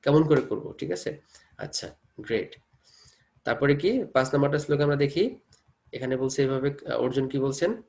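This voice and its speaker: A man's voice: mid-range voice, gravelly, a little mellow. A man with a Bengali accent teaching a scripture class. He explains with rhetorical questions, often checks that listeners follow, and mixes English words into his talk. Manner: reads verses slowly, chants Sanskrit. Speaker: Gita teacher.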